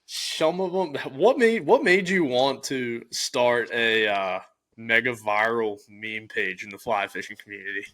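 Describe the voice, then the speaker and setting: A man's voice: mid-range voice, unhurried, fairly bright tone. Laid-back, slangy podcast host man. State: stuffy nose from allergies. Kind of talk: casual podcast chat.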